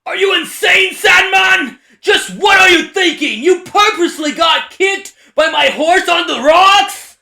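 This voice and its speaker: Man acting furious high-strung tribal horseman, yelling. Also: lively intonation, unhurried, vocal fry, hardly any pauses, heavily acted. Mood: frantic, furious. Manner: outraged, incredulous yelling with dramatic emphasis. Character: furious tribal horseman hunting an outcast tribesman. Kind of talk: amateur anime fan dub.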